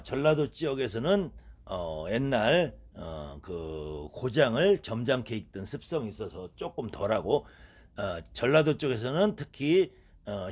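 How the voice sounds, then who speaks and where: A middle-aged man, a shaman, lecturing in a husky voice and firing off rhetorical questions. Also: mid-range voice, darkish tone.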